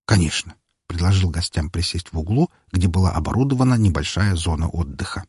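A man's voice: low voice, animated, quick pace, warm tone, husky, no room sound, studio quality. A man narrating first-person fiction in a wry, matter-of-fact way. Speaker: audiobook narrator.

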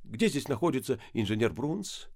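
A man's voice: mid-range voice, sing-song, normal speed, darkish tone, no echo, studio quality. A man voicing a shabby bearded priest who begs and fawns in a pleading voice. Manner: pleading, fawning. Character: shabby bearded male priest, groveling, wheedling.

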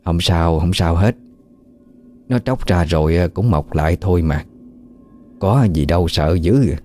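A man voicing a sinister old female ghost who speaks slowly and quietly with menace, with a Southern Vietnamese accent. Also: low voice, big-room sound, faint music behind. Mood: menacing. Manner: slow, hushed, menacing.

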